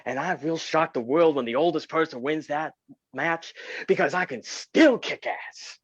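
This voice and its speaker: A man playing a tough, determined old underdog wrestler, husky and emphatic, boasting in a staged promo reading. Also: on the high side, measured pace, no echo. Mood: determined, boastful. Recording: dull, muffled lo-fi audio.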